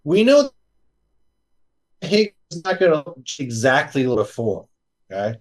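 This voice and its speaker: A man's voice: on the high side, very animated, measured pace. A man talking as a guest physicist in an interview, explaining in an earnest way. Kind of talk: casual interview talk.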